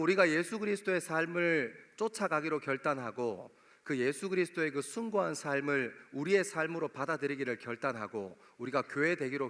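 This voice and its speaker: Young male pastor, regional Korean dialect, slightly high voice, casual sermon delivery in a reverberant church hall. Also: a bit bright. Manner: conversational, jokes with the congregation. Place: church sanctuary.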